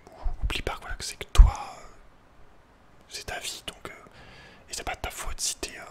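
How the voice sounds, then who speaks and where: Male ASMR host, fully whispered, casual and halting delivery, personal advice chat. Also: a little mellow. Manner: hesitant, halting, informal. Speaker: ASMR video creator and host.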